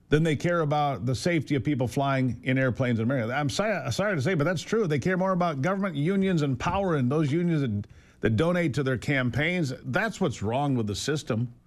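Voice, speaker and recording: A man's voice: on the high side, expressive, a little fast. A man hosting an opinionated political interview, speaking emphatically with rhetorical questions and repeated phrases for stress. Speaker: talk show host.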